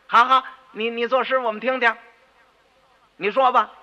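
A male storyteller voicing pompous, indignant stewards of a rich house, loud and blustering, on a dull radio recording with long reverb. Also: extremely high pitch, level tone, moderate pace, voice pushed up, heavily acted.

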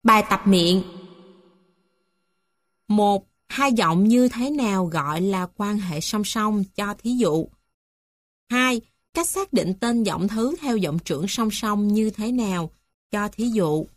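A woman reading a music theory textbook aloud in a slow, measured, list-like way. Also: medium pitch, lively intonation, no room sound, clean studio sound. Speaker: textbook reader.

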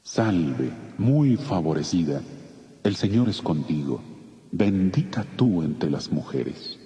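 An actor playing a majestic angel messenger of God in solemn, declamatory scripture drama. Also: male voice, deep voice, very animated, slow pace, slightly rough, exaggerated voice. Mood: solemn, reassuring. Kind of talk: dramatized scripture audio acting. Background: loud music.

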